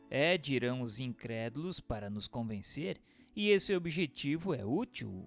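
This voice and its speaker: A man with a Brazilian accent reading scripted narration in a formal, didactic way. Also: medium pitch. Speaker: narrator and questioner. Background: music.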